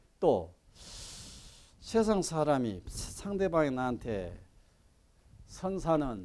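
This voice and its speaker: A man speaks with a dark, mellow tone and pitch that swings very widely up and down. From Jeolla region, Korea. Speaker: Buddhist monk and meditation teacher. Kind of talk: dharma lecture. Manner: conversational, colloquial.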